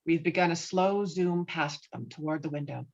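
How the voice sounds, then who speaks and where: A woman's voice: sits low, normal speed. A woman narrating stage directions from a film script at a virtual table read. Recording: dull, lo-fi video-call audio.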